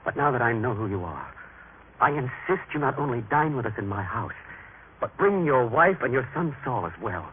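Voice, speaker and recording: A man's voice: mid-range voice, sing-song, moderate pace, close to an everyday voice. An actor playing a grateful, repentant injured man, earnest and emotive, in an old religious radio drama. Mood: insistent, heartfelt. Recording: tinny, noisy vintage radio recording.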